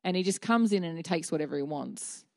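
A woman's voice: fairly low pitch, lively intonation, fast, gravelly, a little mellow, no echo, studio quality. A woman, giving an earnest, candid, conversational sermon at church, speaking into a handheld mic. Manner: earnest, candid, with fillers and restarts. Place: dim church stage with a small seated audience.

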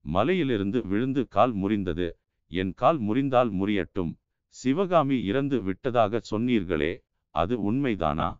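A man's voice: lowish voice, animated, a little slow, a little mellow, clear, resonant tone, no room sound. A man voicing a grief-stricken elderly sculptor who laments his lost daughter, in a dull, lo-fi audiobook recording. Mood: pleading. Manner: wailing, lamenting.

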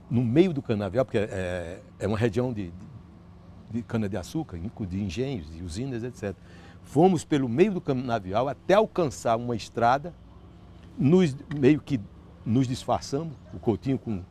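An older man with a Northeastern Brazilian accent, telling a personal story in an interview with lively gestures and frequent restarts. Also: mid-range voice, a little hiss or hum. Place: outdoor terrace by a park. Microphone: lapel mic.

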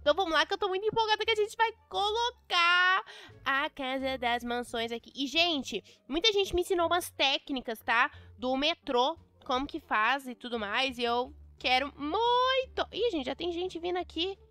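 Bright high-voiced Brazilian woman gamer. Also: lively intonation, moderate pace. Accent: Brazilian Portuguese. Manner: chatty, dramatic, playfully exasperated. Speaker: gameplay youtuber. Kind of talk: casual gameplay commentary.

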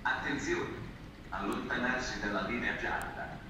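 A man's formal, evenly paced voice making a train station announcement over a loudspeaker. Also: mid-range voice, measured pace. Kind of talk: automated public announcement. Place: railway station platform. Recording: echoey station PA from far off, noisy. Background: station ambience.

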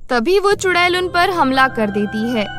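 A woman's voice: high-pitched, very animated, a little slow, fairly bright tone, faint music behind. A woman delivering scripted narration for a horror cartoon.

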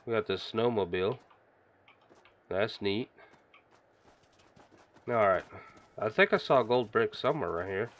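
A man hosting a gaming channel, chatting casually and reacting excitedly as he plays, sniffling from a stuffy nose. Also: lowish voice, a little slow, pauses often. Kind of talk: casual game commentary.

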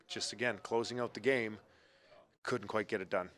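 A man in his forties giving hockey analysis from a TV studio desk with a handheld mic. He talks in a relaxed way and explains plays with hockey terms. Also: lowish voice, moderate pace. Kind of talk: sports post-game analysis.

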